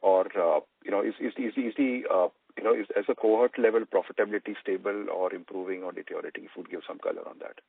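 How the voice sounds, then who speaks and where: Low-voiced halting Indian analyst on phone. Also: male voice, steady tone, creaky, slightly rough, dry recording. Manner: halting, repeats words. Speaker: analyst asking a question. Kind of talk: earnings call question. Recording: dry narrow phone-line audio.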